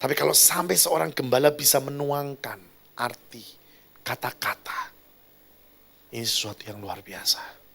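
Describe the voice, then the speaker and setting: A male pastor preaching a sermon in an animated way, swinging from loud to quiet and addressing the congregation directly. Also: medium pitch, moderate pace, creaky, pauses often, a little hiss or hum. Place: church hall.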